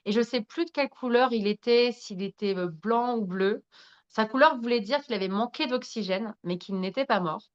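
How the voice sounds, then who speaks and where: On a podcast with lo-fi audio, a female guest with a higher voice talks at normal speed. She recounts a personal story with candor and energy, cursing freely, laughing at herself, and talking straight to the audience.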